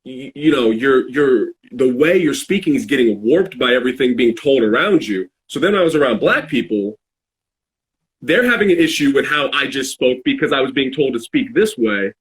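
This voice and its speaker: A man in a casual, reflective podcast chat, halting as he searches for words. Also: medium pitch, animated, poor audio. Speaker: podcast speaker.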